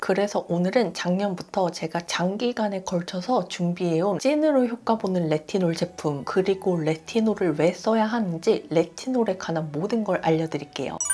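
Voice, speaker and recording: Lively intonation from a woman's medium-pitched voice at a moderate pace, with noticeable background noise. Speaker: beauty YouTuber. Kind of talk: skincare product review to camera.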